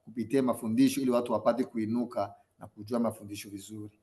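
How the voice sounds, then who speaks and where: A man's voice: fairly low pitch, steady tone, quick pace, dark tone. Man interpreting on a webinar.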